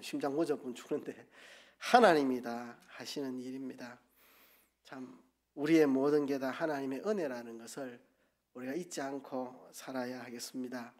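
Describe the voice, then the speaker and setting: A man's voice: mid-range voice, a little mellow. A man with a Gyeongsang accent preaching a sermon as pastor, asking the congregation questions and leading them in call-and-response. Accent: Gyeongsang Korean.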